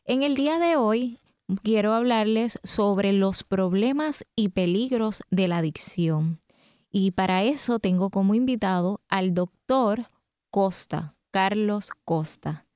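A woman hosting a radio talk show from a studio, speaking in a measured, explanatory way. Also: medium pitch, animated, darkish tone, dry recording. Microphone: studio microphone.

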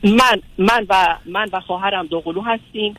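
A man's voice: high-pitched, pushed and bright, low-quality recording. Hesitant young man calling in. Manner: hesitant, many fillers. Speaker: caller. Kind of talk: phone-in conversation.

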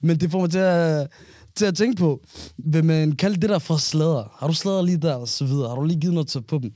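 A man's voice: a little high, warm tone, no room sound, clean studio sound. A man co-hosting a podcast in casual chat, talking reflectively and steering the topic, with some English words mixed in. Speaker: podcast co-host.

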